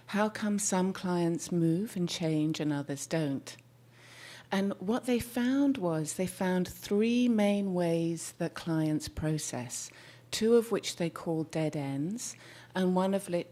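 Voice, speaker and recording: Speaking into a microphone, a soft-spoken therapist presents a talk to an audience, leaning in close to the mic. Her voice sits fairly low, and she chooses her words thoughtfully, sometimes restarting as she searches for the right one.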